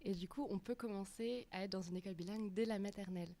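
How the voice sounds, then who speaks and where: A woman who hosts a podcast reads a scripted introduction and asks calm interview questions. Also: mid-range voice, fast talker, a little hiss or hum. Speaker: podcast host. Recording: dry close studio sound.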